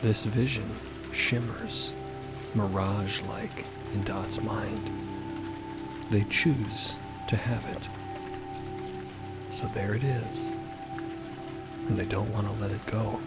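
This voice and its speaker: A man delivering scripted dramatic narration for audio fiction, measured, with deliberate pauses. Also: on the low side, fairly even intonation. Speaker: narrator and voice actor. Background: loud music and rain sounds.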